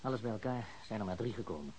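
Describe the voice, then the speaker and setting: An actor playing a shrewd small-time crook turned informant in a radio drama, self-assured and bargaining slyly. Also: male voice, on the low side, animated, very fast, a little mellow, slight background noise, close to an everyday voice, low-quality recording. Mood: smug.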